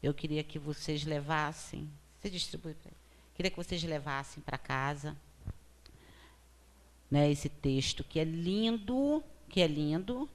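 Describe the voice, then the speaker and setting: A woman with a Brazilian accent giving a conversational spiritual talk as a lecturer at a spiritist center, earnest and often checking in with her listeners. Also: deep voice. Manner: earnest, often tags 'né?' to engage listeners.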